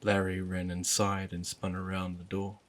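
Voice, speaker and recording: A man narrating a first-person horror story in a low, even, unhurried manner.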